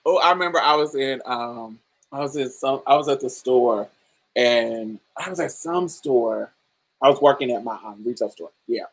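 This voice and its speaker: A woman with a deep voice hosting a casual podcast chat, telling stories with frequent laughter and calling the listener honey and baby. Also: normal speed, breathy edge, poor audio. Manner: animated storyteller, laughs often, calls listeners honey and baby. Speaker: podcast host.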